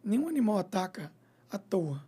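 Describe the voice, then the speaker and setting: Um homem veterinário, convidado de uma entrevista de rádio, falando de forma descontraída e tagarela e pontuando as frases com "entendeu?". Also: male voice, high-pitched, big pitch swings, normal speed, warm tone, breathy edge. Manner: chatty, repeats "entendeu?" and "né?", acts out little scenes. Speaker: veterinarian and clinic owner. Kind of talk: radio interview guest, casual chat.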